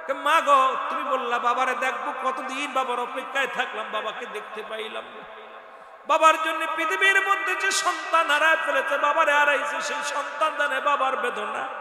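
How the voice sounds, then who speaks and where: A man preaching a chanted sermon, moving between quiet storytelling and sung, shouted wailing. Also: very high-pitched, moderate pace. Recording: echoey hall with music behind.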